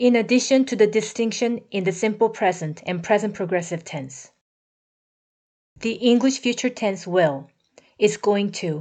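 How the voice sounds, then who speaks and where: Against a quiet background, a woman with a Korean accent speaks in a dark, mellow tone with lively intonation and long, frequent pauses. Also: medium pitch for a woman, moderate pace. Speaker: English teaching researcher. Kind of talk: scripted narration. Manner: formal.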